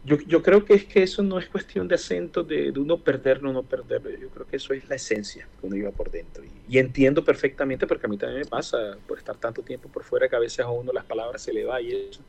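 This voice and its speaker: A man in his forties with a Caribbean Spanish accent from Barranquilla, answering casually in an interview with hesitant, drawn-out pauses. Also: medium pitch, gravelly, darkish tone. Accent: Colombian Caribbean Spanish (costeño, Barranquilla). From Barranquilla, Caribbean coast of Colombia. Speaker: interview guest, aviation engineer. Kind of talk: casual interview, personal reflection.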